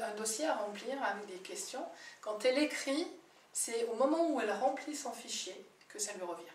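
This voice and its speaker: A woman therapist telling client stories in a chatty, animated way, with many fillers and restarts. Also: a little high. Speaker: birth-history therapist. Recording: roomy, distant mic with faint background noise.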